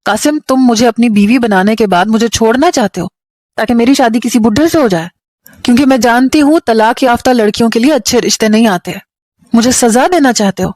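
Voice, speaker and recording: A woman's voice: on the high side, darkish tone, no room sound, close to an everyday voice. A woman voicing a headstrong, emotional young wife who argues and pleads, in a plain storytelling voice with light emphasis. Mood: pleading.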